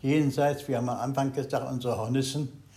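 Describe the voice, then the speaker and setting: An older man giving a Zen meditation talk to a group, speaking haltingly, searching for words and swinging between loud and very soft. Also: mid-range voice, fairly even intonation.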